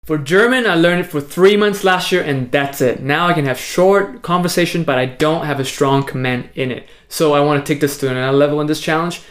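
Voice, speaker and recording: A man speaks casually to camera in his thirties. His voice sits slightly high and his delivery is upbeat, with quick bursts of emphasis. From born in Hong Kong, raised in California. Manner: upbeat and energetic, punchy emphasis on key words. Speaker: vlogger on a language challenge. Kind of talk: casual video update to camera.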